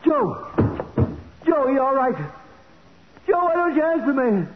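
An actor playing a smug, scheming older gunman in a 1940s radio crime drama, with formal, deliberate threats. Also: very high voice, lively intonation, full character voice. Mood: frightened. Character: scheming older crook called Pops, smugly menacing gunman. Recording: muffled, lightly noisy 1940s radio recording.

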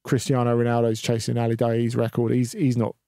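A man analysing football on a podcast in a measured way, with a few repeated words. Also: mid-range voice, completely flat delivery, warm tone, dry recording, studio quality. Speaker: football pundit. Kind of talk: casual podcast discussion.

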